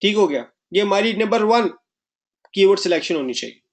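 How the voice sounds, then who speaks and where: Higher-voiced man teaching a webinar. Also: animated, brisk. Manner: interactive, asks the class questions often; mixes English terms into explanations. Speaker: online marketing instructor. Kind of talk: live webinar lecture.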